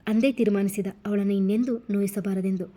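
A woman narrates a scripted love story in a steady, even storytelling voice. Her tone is warm and mellow, never sharp. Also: medium pitch, fast.

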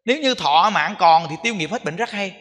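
A Southern Vietnamese monk preaches in a high, bright voice, hammering his points home with repeated phrases and rhetorical questions. His voice carries a long reverb, as if it fills a large temple hall. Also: expressive, fairly quick. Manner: emphatic, repetitive, rhetorical questions to the audience. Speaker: Buddhist monk giving a dharma talk. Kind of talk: sermon.

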